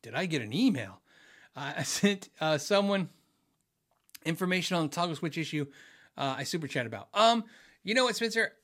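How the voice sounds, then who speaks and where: A man's voice: fairly high pitch, lively intonation, moderate pace, pauses often, a bit bright. A middle-aged man hosting a casual livestream from his home office, rambling and restarting as he reads out viewer messages. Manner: rambling, restarts often, many fillers. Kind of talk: casual chat.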